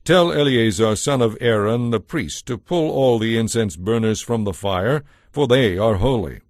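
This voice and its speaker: A man narrating scripture from a script as a storyteller, in a measured, solemn way. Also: mid-range voice, a little mellow, no room sound, studio quality.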